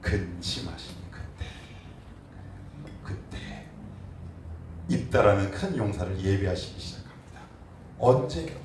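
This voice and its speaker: A man preaching a sermon as pastor, animated, acting out quotes and asking the congregation questions. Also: deep voice, normal speed, a little hiss or hum. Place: church sanctuary. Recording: echoey church hall, mic at a distance.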